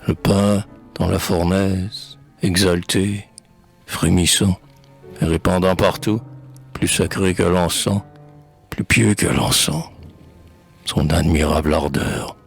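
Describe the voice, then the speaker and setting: A man recites poetry solemnly in a very low, husky voice. His delivery is very slow and measured, with declamatory phrasing given to each line. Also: fairly even intonation, soft background music. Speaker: poetry reader.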